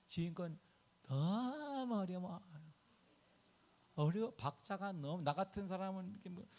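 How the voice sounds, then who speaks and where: A man preaching a sermon to his congregation, animated, asking them questions and answering himself. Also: high voice. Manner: sings hymn lines slowly in the middle of talking. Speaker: pastor. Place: church sanctuary.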